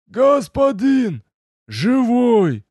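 A man doing a high, overjoyed loyal servant. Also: expressive, no echo. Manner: loud, exclamatory, drawn-out cries. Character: red-haired male servant, loyal, overjoyed, excitable.

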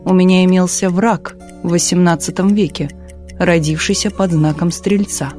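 A woman narrating a literary audiobook in a calm, measured reading style. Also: fairly low pitch, faint music behind. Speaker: audiobook reader.

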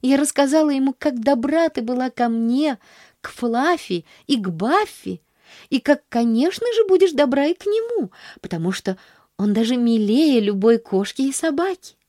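A woman's voice: sits high, lively intonation, moderate pace, dark tone, no room sound, studio quality, voice pushed up. A woman voicing an earnest, cheerful little girl who talks in a breathless, pleading sing-song.

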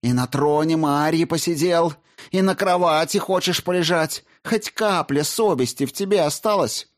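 A man voicing an angry young princess who hisses and shouts in contempt, reading a storybook scene. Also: medium pitch, normal speed, slightly rough, voice pushed up, natural voice. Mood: furious. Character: furious young woman, a princess, scornful.

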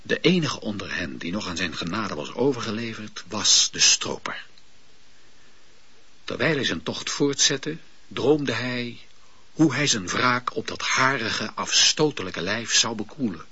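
A man narrating a radio drama in a measured storytelling manner. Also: on the low side, animated, sharp tone, slightly rough, no echo. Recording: dull, dry lo-fi old radio recording.

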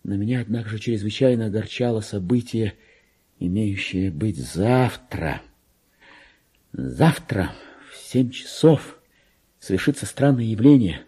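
An actor playing a deluded clerk who believes he is a king, in a pompous, erratic, theatrical radio monologue that swings from hushed to shrill. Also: animated, unhurried, pauses often, breathy edge. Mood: anxious, fretful. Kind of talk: dramatic literary monologue, Russian radio play.

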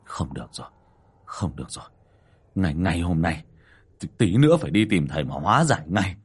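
A man's voice: low voice, sing-song, fairly quick, slightly rough, voice pushed down, heavily acted. A man voicing a panicked middle-aged village husband who stammers urgently.

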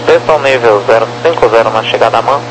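A man's voice: medium pitch, fast. A Brazilian man working as an air traffic controller, giving clipped procedural instructions over a crackly, military-sounding radio. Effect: crackly aviation radio transmission. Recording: noisy, humming air-band radio.

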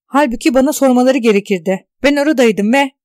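A woman reading out the loud, exasperated outbursts of a shaken, indignant character alone at home, in an audiobook. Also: a little high, a little fast, no room sound, clean studio sound, natural voice. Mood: distraught.

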